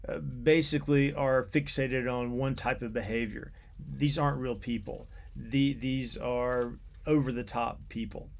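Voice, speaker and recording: A man giving an unscripted academic literature lecture in a halting, deliberate way, repeating words as he explains. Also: medium pitch, creaky.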